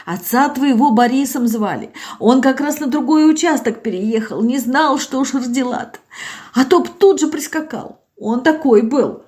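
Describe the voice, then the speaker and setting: A woman's voice: high voice, normal speed, a little mellow, voice pushed up, close to an everyday voice. A woman doing a tearful old village woman. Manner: sing-song, sobbing, folksy.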